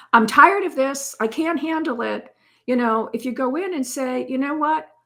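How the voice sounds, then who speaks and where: Projecting a raised voice with a bright, sharp tone, a woman speaks at a moderate pace and high pitch with lively intonation, on a very clean recording against a silent background. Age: 70s. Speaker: retired lawyer and nurse, author. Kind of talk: podcast interview. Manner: hesitant with many fillers.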